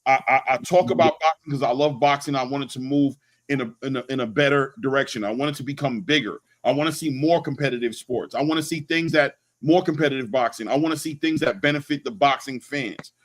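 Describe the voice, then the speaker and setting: A man's voice: medium pitch, fast talker. A man hosting a boxing channel, talking casually and emphatically in slang, often repeating words for emphasis. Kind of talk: animated casual sports talk and opinion.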